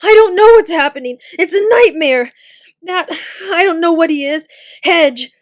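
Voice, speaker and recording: A woman's voice: very high-pitched, steady tone, moderate pace, voice pushed up. A woman voicing a terrified, scorched young man who shrieks and sobs. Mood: frantic. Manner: shrieking, gasping, near tears.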